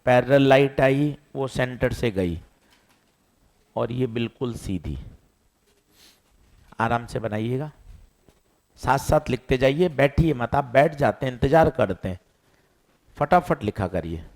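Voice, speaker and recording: A man teaching physics, lively, asking students questions and answering them himself. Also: mid-range voice, slow, long pauses. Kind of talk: classroom lecture.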